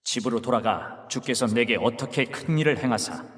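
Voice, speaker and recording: A man's voice: medium pitch, expressive, moderate pace, lightly acted. A man playing a solemn commanding teacher. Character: calm authoritative male teacher and healer. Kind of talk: dramatized scripture reading. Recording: long reverb.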